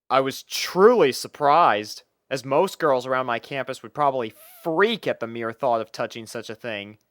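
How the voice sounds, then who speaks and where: Clear-voiced man narrating fan fiction, dry recording. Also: medium pitch, fairly bright tone, dry recording. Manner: conversational first-person storytelling with acted dialogue lines. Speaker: narrator and reader playing the first-person lead.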